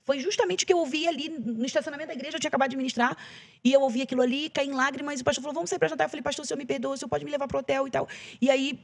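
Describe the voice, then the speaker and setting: Her voice is high-pitched and steady, and she speaks at a racing pace. She is a Brazilian gospel singer on a podcast, giving an emotional testimony in a casual chat and repeating phrases to stress them.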